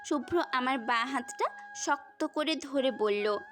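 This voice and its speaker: A woman's voice: sits high, animated, slow, a bit bright, faint music behind. A young woman narrating a romantic story in the first person, as a scripted audio tale.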